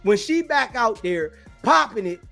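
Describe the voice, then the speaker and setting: A man's voice: high voice, expressive, unhurried, creaky, pushed and bright, faint music behind. A man hosting a talk show, debating a caller in a brash, combative, profane and dismissive way. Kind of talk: heated call-in debate.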